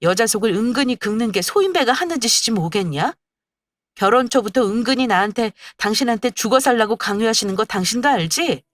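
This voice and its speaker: A woman's voice: on the high side, lively intonation, normal speed, fairly bright tone, dry recording, voice pushed up. A woman voicing an angry young wife who scolds her husband indignantly in a storybook radio drama. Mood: scolding.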